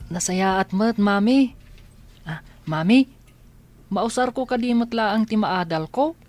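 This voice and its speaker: A woman's voice: medium pitch, expressive, a little slow, a little mellow, soft background music, lightly acted. A woman voicing an earnest blind schoolchild who asks wistful questions.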